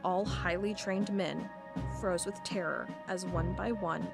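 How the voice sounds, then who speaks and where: A woman giving a scripted first-person narration as a field agent, in a measured, deliberate, report-like way. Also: lowish voice, fairly even intonation, creaky. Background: music.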